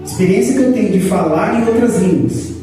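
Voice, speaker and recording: A man with a Brazilian Portuguese accent teaching a sermon to his congregation, explaining points and pushing his pitch up for emphasis. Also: lively intonation, fairly quick, over music. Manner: explanatory, rises in pitch to stress points, addresses congregation as brothers. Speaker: pastor teaching a church class. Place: church hall. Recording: echoey hall, picked up from a distance.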